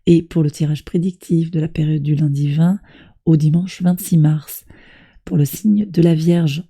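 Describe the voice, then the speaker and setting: A woman with a cold reads tarot cards for her viewers, and her voice comes out hoarse, husky and very dark. She keeps her delivery flat and even, speaking straight to the listener in a gentle, encouraging way. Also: low-pitched, measured pace. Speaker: tarot reader. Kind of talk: tarot reading addressed to viewers.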